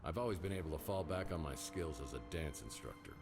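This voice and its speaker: An actor playing a weary, wry middle-aged private detective in a noir adventure game, with a dry wisecracking delivery and music behind him. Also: male voice, very deep voice, lively intonation, fast talker, vocal fry, darkish tone, heavily acted. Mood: puzzled, wry.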